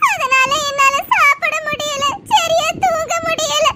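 A woman's voice: very high voice, brisk. A woman voicing a timid young village wife. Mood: tearful. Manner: pleading, soft and tearful. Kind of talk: cartoon voice acting. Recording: loud background noise.

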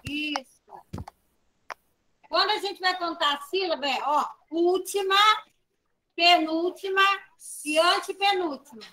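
A Brazilian woman teaching a children's video lesson in a high, bright voice. She talks slowly and patiently and spells out syllables letter by letter. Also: rough recording. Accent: Brazilian Portuguese.

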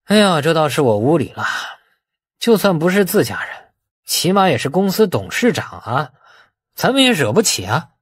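A man's voice: fairly high pitch, big pitch swings, moderate pace, slightly rough, dry recording, studio quality, pitched above the performer's own voice. A man voicing a sullen, resentful young heir in an audiobook, taunting and sarcastic with a drawl. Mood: scornful.

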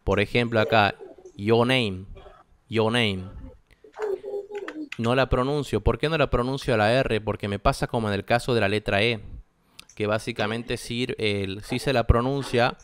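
A young Argentine man with an Argentine Spanish accent teaches English in class, explaining things step by step and checking that students keep up. His medium-pitched voice is steady and clean at a moderate pace, in a dry recording.

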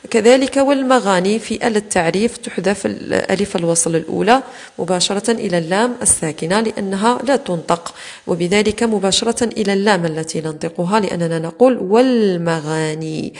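A woman teacher explaining exam answers in a recorded lesson, methodical and patient, slowing down to repeat key words. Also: medium pitch, darkish tone.

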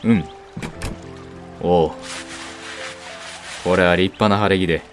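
A man's voice: low voice, fairly even intonation, slow pace, soft background music. A man playing a proud, fatherly samurai castle lord in a period voice drama, speaking in an archaic, lordly way. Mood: warm, stately. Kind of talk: Japanese period voice drama acting.

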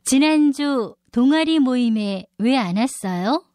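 A woman reading short questions in a scripted listening-test dialogue with a clear, questioning delivery. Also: high-pitched, lively intonation, slow, dark tone, no room sound, clean studio sound. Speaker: dialogue reader on a Korean listening exam.

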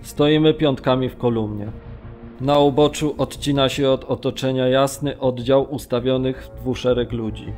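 A man acting a camp prisoner in a radio drama, narrating gravely and with measured restraint, as testimony. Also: medium pitch, fairly even intonation, darkish tone, faint music behind, natural voice. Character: male Polish camp prisoner recalling brutality, grave, restrained. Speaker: narrator reading witness testimony.

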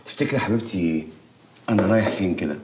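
A man's voice: sits low, very fast, slight background noise, natural voice. Man playing a teasing young husband. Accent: Egyptian Arabic. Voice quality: joking, playful. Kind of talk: TV drama acting. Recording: roomy echo.

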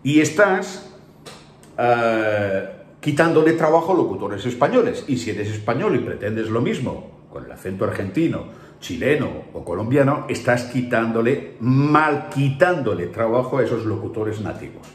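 A man's voice: mid-range voice, sing-song, normal speed. A male voice-over artist from Spain with a Spain Spanish accent, ranting emphatically and scolding in an opinionated commentary. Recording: echoey room.

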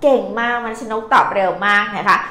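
A woman's voice: mid-range voice, a little fast, sharp tone. A woman teaching vocabulary live, patiently explaining character strokes and quizzing her viewers. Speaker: Chinese language teacher. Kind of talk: live-streamed vocabulary lesson. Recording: echoey room, faint noise.

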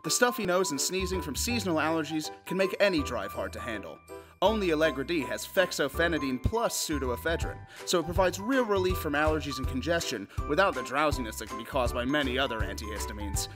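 A man giving a polished, clearly presented scripted read in the style of a commercial or news host. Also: on the high side, animated, fast, over music. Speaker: voice actor, comedy news host.

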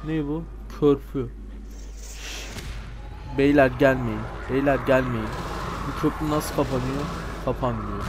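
A man giving casual gameplay commentary, excitable and sarcastic, talking back at game characters with sudden loud outbursts and grumbling asides. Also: mid-range voice, a little slow, long pauses, background noise. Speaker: let's play gamer.

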